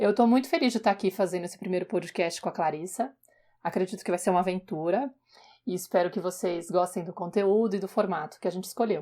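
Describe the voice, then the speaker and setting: A woman talks at a very fast pace in a medium pitch with ordinary pitch variation. Her dark, mellow tone is heard on a very clean recording with a silent background. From São Paulo, Brazil. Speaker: podcast host, journalist. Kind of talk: podcast self-introduction.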